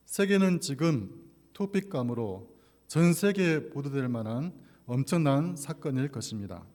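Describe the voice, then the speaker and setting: A pastor preaches from the pulpit at a church service, delivering a sermon with scripture reading and prayer. His voice is on the high side with a darkish tone, and the hall echoes with long reverb.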